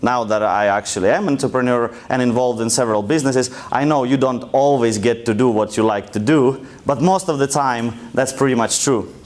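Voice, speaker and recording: A man's voice: medium pitch, brisk, few pauses. A young man from Russia with a thick Russian accent, giving a joking, loosely told presentation to an audience in a lecture room. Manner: casual, joking, loose storytelling. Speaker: conference speaker. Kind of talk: live presentation talk.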